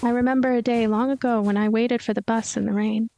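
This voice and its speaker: A woman voicing a lonely, gloomy ghost girl who narrates her story in a deadpan, weary, introspective way. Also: a little high, quick pace, gravelly, dry recording. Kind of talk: first-person story narration.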